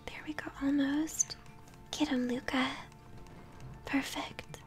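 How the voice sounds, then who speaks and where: A woman's voice: high-pitched, fairly even intonation, takes it slowly. A young woman whispers ASMR game commentary, chatting encouragingly to her viewers. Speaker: game streamer. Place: indoor room at home. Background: video game music.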